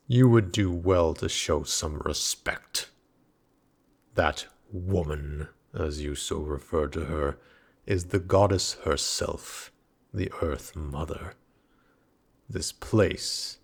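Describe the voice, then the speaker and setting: A man's voice: very deep voice, full character voice. A man voicing a grim, weary earthen knight guarding a goddess, speaking formally and archaically in a dramatic audio roleplay. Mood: wary, stern. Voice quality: gravelly, husky. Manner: archaic, formal, menacing, slow.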